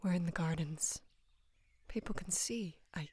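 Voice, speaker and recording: For intimate roleplay audio, a woman in her twenties plays a female knight devoted to and in love with her queen. Her low, soft, breathy voice sounds flustered and pleading, while her speech stays halting, hesitant, earnest and deferential.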